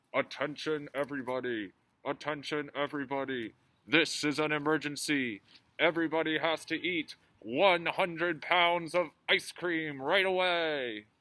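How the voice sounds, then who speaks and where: In a put-on character voice, a man talks at a moderate pace with fairly high pitch and ordinary pitch variation, recorded very cleanly against a silent background. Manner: loud, urgent announcement.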